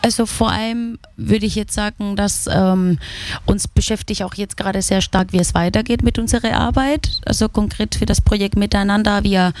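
A woman speaking about her project work in an interview, earnest and measured with occasional fillers. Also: medium pitch, fairly even intonation, darkish tone. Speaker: project worker. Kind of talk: interview answer.

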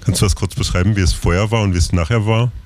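Fast-talking deep-voiced male interviewer. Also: fairly even intonation, a little mellow, a little hiss or hum. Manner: brisk, fluent questioning. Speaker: radio interviewer at a summer festival. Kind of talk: on-location interview.

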